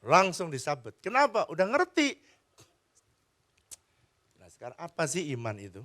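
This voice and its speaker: A man's voice: on the high side, normal speed. A man preaching a sermon as pastor, telling stories and chatting with the congregation. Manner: animated storytelling, chats with the congregation. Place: church.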